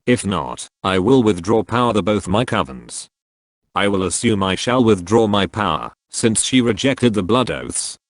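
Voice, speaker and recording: Low-voiced man reading posts aloud. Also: lively intonation, normal speed, dry recording. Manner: reads handles and symbols out literally.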